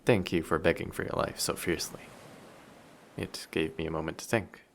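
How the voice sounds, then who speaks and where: A man voicing a flirty, possessive sea monster in human guise for an intimate roleplay audio drama, measured and politely menacing. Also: deep voice, fairly even intonation, vocal fry, a little hiss or hum. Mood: calmly menacing.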